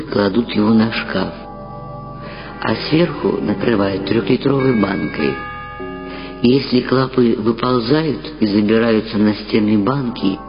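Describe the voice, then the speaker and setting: A man puts on a knowing, laid-back young stoner, low and gravelly, explaining with melancholy deadpan. His audiobook lines sit in a long reverb with loud music behind. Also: lo-fi sound. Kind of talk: audiobook character dialogue.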